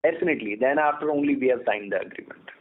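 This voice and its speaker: A man's voice: mid-range voice, rapid-fire. Indian-accented man on a tinny phone line. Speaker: company executive answering analyst questions. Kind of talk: earnings call question-and-answer.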